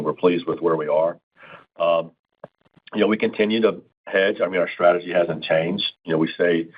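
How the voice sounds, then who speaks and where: Deep, husky man on a phone line. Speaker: company finance executive. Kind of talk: earnings call answer. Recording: narrow phone-line sound.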